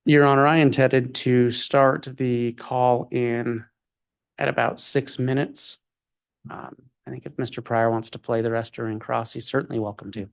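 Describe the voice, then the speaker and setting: A man with a creaky, mid-pitched voice speaks as a prosecutor in a courtroom. He puts questions formally and haltingly, with pauses between phrases. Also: fairly even intonation.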